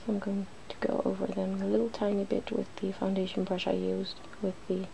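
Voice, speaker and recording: Woman, ASMR host, hushed whispery delivery, some vocal fry, playful, faint background noise. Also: mid-range voice, monotone, fairly quick. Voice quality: soft, breathy whispering and hushed talk. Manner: playful, giggly. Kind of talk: ASMR makeup demonstration, narrating each step.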